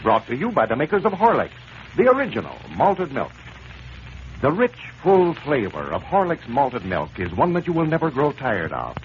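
A man announcing on a 1930s radio show, with a smooth, emphatic sales delivery and a recap of the story. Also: mid-range voice, wildly swooping pitch, moderate pace. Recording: old lo-fi radio transcription with hiss.

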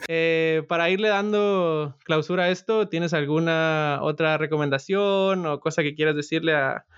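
A man's voice: on the high side, normal speed, smooth, highs cut off. A man hosting a casual podcast chat in an easygoing, joking way. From Latin America. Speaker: podcast host.

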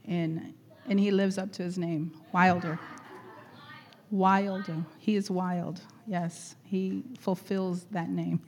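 A middle-aged woman leading a church gathering, chatty and laughing often, her voice going hoarse. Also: mid-range voice, a little mellow. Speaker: church leader. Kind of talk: warm casual church greeting and exhortation.

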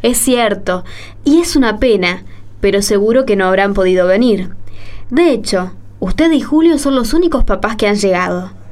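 A woman with an Argentine accent playing a patient, encouraging schoolteacher in a radio drama, speaking politely and in measured explanations. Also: mid-range voice, lively intonation, darkish tone, lightly acted. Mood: polite, businesslike. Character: patient, encouraging woman seventh-grade schoolteacher leading parents' meeting.

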